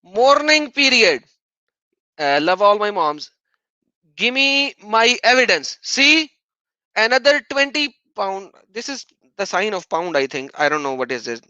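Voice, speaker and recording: A man's voice: high voice, expressive, unhurried, sharp tone, dry recording, lo-fi sound. A man whose native language is Urdu, hosting a heated livestream debate and reading out viewer donations, combative and insistently repeating his point.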